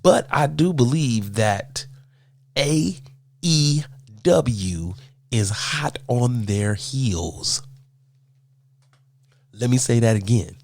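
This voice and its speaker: A man's voice: mid-range voice, lively intonation, drawn-out words, creaky, long pauses, darkish tone. A man with a cold, sounding stuffed up, rants casually and emphatically to his viewers, answering their questions and repeating points for effect. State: congested from a cold. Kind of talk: casual opinion rant.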